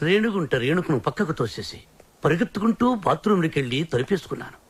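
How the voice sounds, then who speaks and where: A boastful, self-important storyteller. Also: male voice, fairly high pitch, very animated, fast, slightly rough. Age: middle-aged. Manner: boastful, lecturing, comic storytelling. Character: boastful middle-aged man, comically self-important. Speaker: boss and guardian. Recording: film soundtrack with background music.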